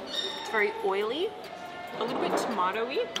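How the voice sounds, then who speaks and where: A woman keeps a moderate pace as clear music plays in the background. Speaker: food vlogger. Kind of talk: casual vlog chat. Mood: relaxed, pleased. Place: cafe. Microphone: phone near.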